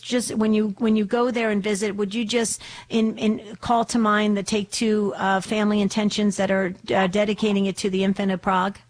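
A woman hosts a faith-centered call-in radio show, talking in a chatty, devout way. Her voice is slightly hoarse, and she restarts her sentences often. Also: medium pitch.

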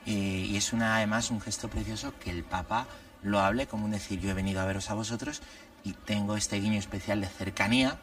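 A priest talks through his thoughts one point at a time, with a low voice. He sounds slightly distant from the microphone. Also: steady tone, fast, fairly bright tone. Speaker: priest guest. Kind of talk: conversational religious commentary.

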